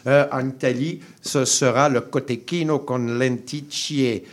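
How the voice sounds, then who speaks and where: A man talks through his food column in a radio studio. His delivery is chatty and playful, full of small hesitations, at a middle pitch. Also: steady tone, unhurried. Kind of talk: radio food chronicle, casual chat.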